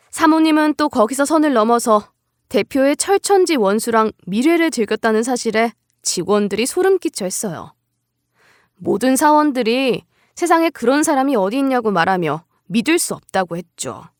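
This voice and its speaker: High-voiced woman narrating a story. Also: dry recording, clean studio sound. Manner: conversational, polite storytelling. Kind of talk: scripted first-person story narration.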